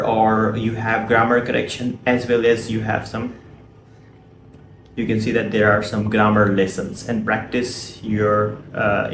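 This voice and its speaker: Low-voiced man teaching English. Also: roomy sound, background noise. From Pakistan. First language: Urdu. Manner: explanatory, often ends with a tag question. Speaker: English tutor and app reviewer. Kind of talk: tutorial screen walkthrough.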